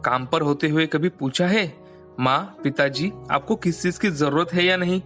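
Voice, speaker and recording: Woman putting on cartoon grandpa, old and stern, lowered and slow, lecturing tone, faint music behind. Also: a bit bright. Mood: scolding. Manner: scolding, lecturing.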